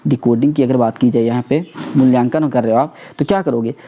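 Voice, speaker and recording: A young man runs through exam questions at a brisk clip, posing each question and then answering it himself. His pitch sits in a middle range, and the recording sounds a little dull and lo-fi. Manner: asks and answers own questions, mixing English words. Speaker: exam prep teacher. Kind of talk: Hindi exam prep lecture.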